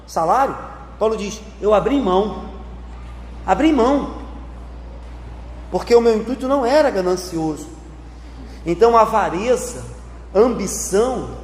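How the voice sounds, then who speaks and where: High-voiced man preaching in an echoey hall. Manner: emphatic preaching, slowing down on repeated phrases. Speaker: pastor. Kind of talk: sermon. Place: church sanctuary. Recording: echoey church hall, faint background noise.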